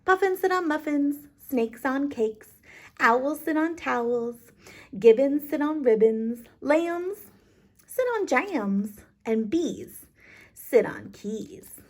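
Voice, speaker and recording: A woman's voice: high-pitched, expressive, slow, pitched above the performer's own voice. A woman voicing an exasperated, know-it-all cat in a picture book, with emphatic singsong rhymes. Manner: emphatic, singsong rhyming delivery.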